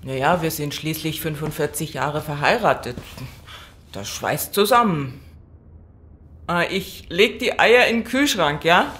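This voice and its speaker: An older woman in a German radio play playing a kindly, hesitant elderly neighbor, homely and halting. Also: deep voice, lively intonation, a bit bright, a little hiss or hum. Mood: fond.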